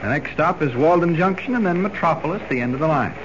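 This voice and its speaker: An actor playing a mild-mannered, calm and patient male reporter in 1940s radio-drama style. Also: a little high, quick pace, close to an everyday voice. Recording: muffled hissy 1940s radio recording.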